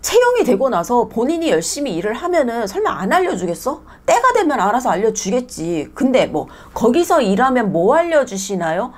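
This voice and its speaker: A woman's voice: fairly high pitch, huge pitch swings, brisk, few pauses. A woman who owns a nail salon, ranting bluntly and with exasperation in a casual vlog monologue, mixing polite and plain speech.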